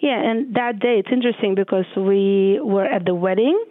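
A woman's voice: mid-range voice, moderate pace, no room sound, narrow, tinny audio. A middle-aged woman speaks with a Belarusian accent in a conversational interview, telling of her own memories. Her voice comes through a thin, band-limited connection with very little room sound. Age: 40s. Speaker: interview guest, physician.

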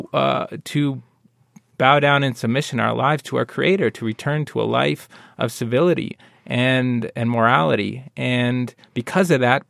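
A man from Wyoming speaking as a guest in a panel discussion, explaining his views in an earnest, measured way. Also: medium pitch, vocal fry, no echo, clean studio sound. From Wyoming, USA.

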